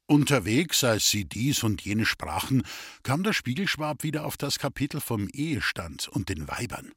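A man reading an old folk tale aloud as an audiobook, with lively, old-fashioned storytelling. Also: medium pitch, moderate pace, slightly rough, dry recording, studio quality. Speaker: reader.

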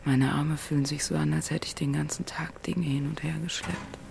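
An actress playing an exhausted woman in an inner monologue, speaking in a weary, monotone way. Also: low voice, moderate pace, creaky. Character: exhausted woman narrating her inner thoughts. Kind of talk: inner monologue in a radio drama. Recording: noisy background.

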